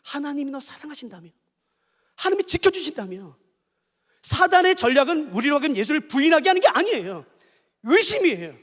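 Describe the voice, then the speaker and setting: Male preacher, animated delivery, emphatic repeats, echoing hall. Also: extremely high pitch. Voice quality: emphatic, repeats key phrases. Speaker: pastor. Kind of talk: sermon.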